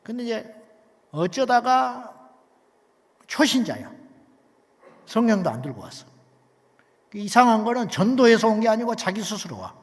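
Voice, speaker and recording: High-voiced preacher man in a reverberant hall. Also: very animated, unhurried, long pauses. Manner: emphatic, swings from hushed to loud, rhetorical questions. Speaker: pastor. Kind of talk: sermon.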